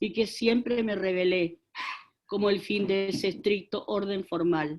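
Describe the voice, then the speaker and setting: Using fairly even intonation, a woman speaks at a fairly slow pace with a Chilean accent. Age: 70s. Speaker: poet. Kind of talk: reading aloud. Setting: video call.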